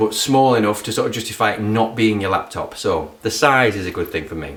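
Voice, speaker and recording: Amid noticeable background noise, a man with a northern English accent speaks at medium pitch. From northern England. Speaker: tech reviewer. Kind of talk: vlog review. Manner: fast.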